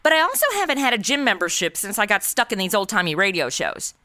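A woman's voice: medium pitch, sing-song, quick pace, sharp tone, no echo. A woman playing a flippant modern twenty-something amateur detective in a comedy audio drama, sarcastic and breezy. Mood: breezy, distracted. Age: 20s. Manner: sarcastic, breezy, easily sidetracked. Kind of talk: comedy audio drama, wisecracking first-person narration.

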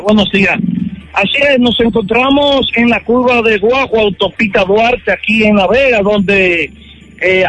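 A man's voice: high voice, a bit bright, slight background noise, poor audio. A man with a Dominican accent giving an unscripted live field report, hesitant and often groping for words. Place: outdoors at a roadside.

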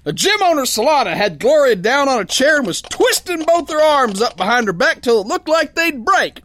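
A naive tough sailor boxer narrating a radio play, really high pitched and all over the place, folksy slang. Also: male voice, big pitch swings, normal speed, a bit bright, full character voice. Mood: outraged. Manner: folksy, ungrammatical yarn-spinning. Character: rough-and-ready tough sailor boxer, big-hearted, naive. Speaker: first-person narrator.

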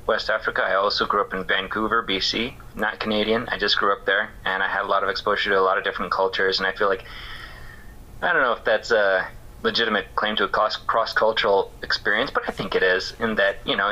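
A man talking as an interview guest about his work, thoughtful and halting with many fillers. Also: on the low side, bright, forceful tone, highs cut off. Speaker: interview guest, missions care worker. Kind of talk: casual reflective interview talk.

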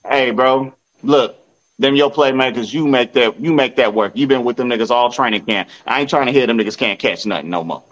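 A man's voice: mid-range voice, fairly quick, lo-fi sound. A man talking casual football trash on a phone video, boastful and repetitive with a swaggering manner. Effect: recorded on a phone. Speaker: sports fan vlogger.

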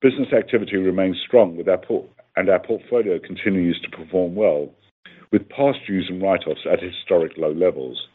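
A man with a very low, husky voice delivers a scripted financial report. He reads formally and evenly paced, like a company executive. The sound is narrow and phone-like, as on a conference line. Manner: formal, measured reading of figures. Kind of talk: scripted earnings call presentation.

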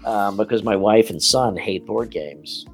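A man's voice: fairly low pitch, measured pace, gravelly, faint music behind. A middle-aged man co-hosting a podcast, chatting casually and joking, with casual swearing. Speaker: podcast co-host. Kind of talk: casual chat.

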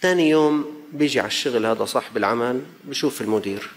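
Fast-talking Levantine preacher. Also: male voice, mid-range voice, slight background noise. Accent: Levantine Arabic. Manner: lively, addresses the audience directly with questions. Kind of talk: sermon with storytelling.

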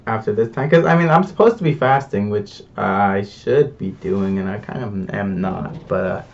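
A man's voice: on the low side, normal speed, vocal fry, distant mic, dull audio, slight background noise. A young man talking casually to the camera in a rambling, laid-back way, full of fillers and slang. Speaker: vlogger. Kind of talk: casual confessional chat.

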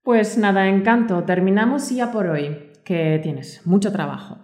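A woman co-hosting a scripted teaching podcast. She reads example sentences in a clear, friendly teaching tone. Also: medium pitch, unhurried, darkish tone. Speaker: podcast co-host and Spanish teacher. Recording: roomy echo.

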